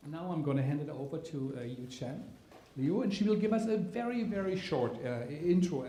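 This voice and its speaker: A man giving welcome remarks to a live audience as the event organizer, halting and full of "uh" and "um" as he talks. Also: medium pitch, warm tone. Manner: halting, with many fillers and restarts. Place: theater auditorium at a live event. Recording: roomy hall sound with faint noise.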